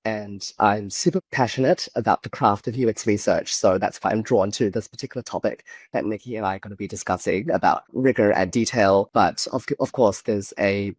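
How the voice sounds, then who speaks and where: A man with a New Zealand accent, a podcast guest calmly explaining his views as a UX researcher. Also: fairly low pitch, a little fast, few pauses, slightly rough, no room sound. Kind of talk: podcast interview.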